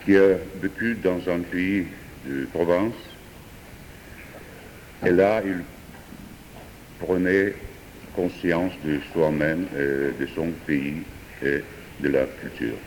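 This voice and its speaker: A man, a French speaker, improvising a philosophical talk with hesitant pauses and fillers. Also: sits low, fairly even intonation, a little mellow, a little hiss or hum. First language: Georgian. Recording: distant voice in a reverberant hall.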